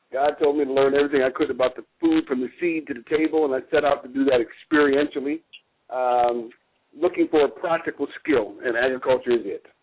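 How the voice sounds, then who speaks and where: A man with a plain, everyday voice speaks with fairly even intonation. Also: fairly high pitch for a man, fairly quick pace. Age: 60s. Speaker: urban farmer and agricultural educator. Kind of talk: interview. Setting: radio show.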